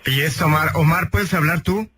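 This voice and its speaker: A man's voice: a little high, brisk, background noise. A man on a live radio call-in, insistently addressing a caller in a replayed recording. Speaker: radio host speaking to a caller.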